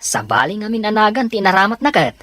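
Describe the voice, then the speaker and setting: A woman voicing an easygoing, teasing young man in an Ilocano Filipino audio drama, with a husky voice. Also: mid-range voice, sing-song, fast talker, background noise, natural voice. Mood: teasing, friendly.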